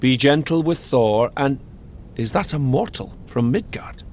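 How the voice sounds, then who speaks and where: An actor playing a vengeful, shrewd dwarf chieftain in an audio drama, gruff, sarcastic and used to command. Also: male voice, medium pitch, lively intonation, unhurried, darkish tone, slight background noise, close to an everyday voice.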